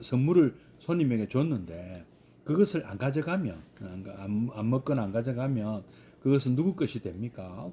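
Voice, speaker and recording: A man's voice: medium pitch, mellow, slight background noise. A man, a Buddhist monk, giving a scripture study lecture with many hesitant fillers and rhetorical questions.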